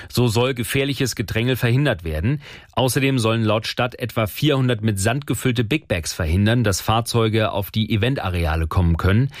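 A fairly low-voiced man explaining things as a radio reporter, factual and steady. The voice is dry, with no room around it. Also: dry recording.

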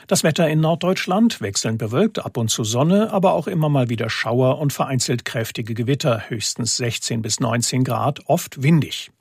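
A male radio newsreader delivers the news and weather in a measured, formal way. His voice has a slightly husky edge and a lively pitch, and it sits dry and close to the mic. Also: no echo.

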